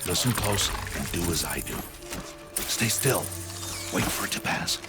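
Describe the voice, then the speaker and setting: Deep-voiced stern tribal hunter guardian. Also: male voice, expressive. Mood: calm, cautioning. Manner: stern, instructing, measured, formal phrasing. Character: gruff, protective tribal hunter man, stern guardian teaching a child. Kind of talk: dramatic video game acting. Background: music.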